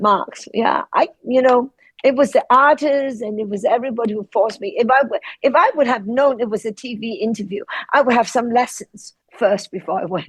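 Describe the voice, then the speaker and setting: With a Cantonese accent, a woman speaks in a high voice with ordinary pitch variation, the sound dry and close with no echo. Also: moderate pace. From Hong Kong. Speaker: art gallerist. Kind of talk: interview conversation.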